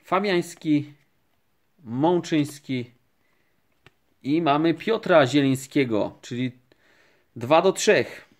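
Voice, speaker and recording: Seated indoors at a table with the camera overhead on his hands, a male card-collecting vlogger gives casual pack-opening commentary. In a slightly high, slow and steady voice, he calmly counts through the cards, naming each one.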